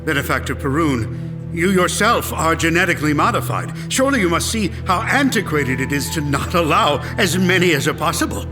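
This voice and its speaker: A man's voice: on the high side, expressive, a little fast, close to an everyday voice. A man acting in an audio drama as a defiant, ambitious politician with a combative, cutting manner. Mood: combative, impassioned. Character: defiant, ambitious politician arguing for a modernised planet. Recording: music under the voice.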